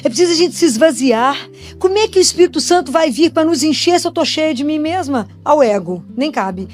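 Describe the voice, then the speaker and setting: A woman with a Brazilian accent preaches in a high voice, talking to the crowd as if chatting with them. She keeps asking rhetorical questions. Soft music plays faintly behind her. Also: animated, fairly quick. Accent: Brazilian Portuguese. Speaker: Catholic speaker and pediatrician. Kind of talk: preaching sermon. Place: church gathering after communion.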